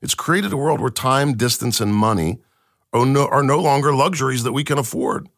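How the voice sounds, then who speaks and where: A man's voice: medium pitch, normal speed, fairly bright tone, no echo, clean studio sound. A man hosting a podcast, giving emphatic, enthusiastic commentary and reading from an article. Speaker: podcast host.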